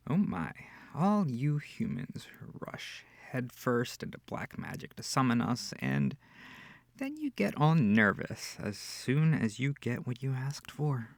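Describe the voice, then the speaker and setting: In an ASMR audio roleplay, a man voices a smug, seductive incubus demon, teasing the listener from very close in a dry, echoless space. His mid-range voice is gravelly, unhurried and heavily acted, full of theatrical purring and breathy asides.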